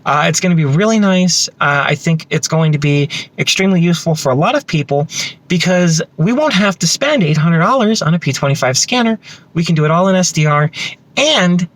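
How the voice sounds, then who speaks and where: A man's voice: fairly high pitch, lively intonation, fairly quick, fairly bright tone, dry recording. A man talking casually and enthusiastically to viewers as he demonstrates and updates a tech project. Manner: enthusiastic, conversational. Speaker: tech video creator.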